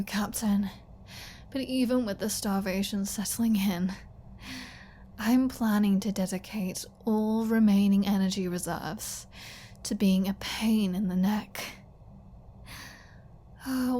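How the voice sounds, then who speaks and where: Female vampire for audio roleplay, acted by a woman: unhurried delivery, mid-pitched, flirty, snarky and defiant. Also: mellow, slight background noise, lightly acted. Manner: sarcastic, teasing, playful. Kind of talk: scripted ASMR audio roleplay.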